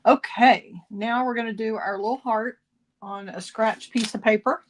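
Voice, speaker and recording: This card-making instructor speaks in a slightly high, steady voice at a moderate pace, with a little hiss or hum in the audio. Chatty and casual, she corrects herself as she goes, laughs at her own jokes, and gives a slight cough now and then.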